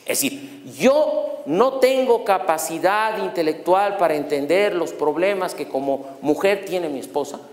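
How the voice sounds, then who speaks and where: A middle-aged man giving a lecture on law, animated and throwing rhetorical questions at his audience. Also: high voice. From Mexico. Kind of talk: university lecture on human rights. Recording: echoey hall with long reverb.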